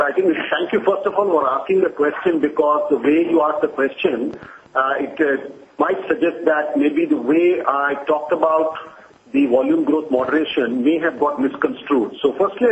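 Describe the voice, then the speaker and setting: A man speaking as a company executive on an earnings call, explaining in a measured, reassuring way. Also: a little high. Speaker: company executive answering analysts. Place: conference call. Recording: roomy, dull conference line with hiss.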